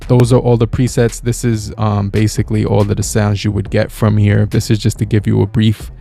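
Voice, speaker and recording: A man giving a relaxed, casual product review, talking with many halting fillers. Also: lowish voice, creaky, soft background music. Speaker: gear reviewer. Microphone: podcast mixer with microphone.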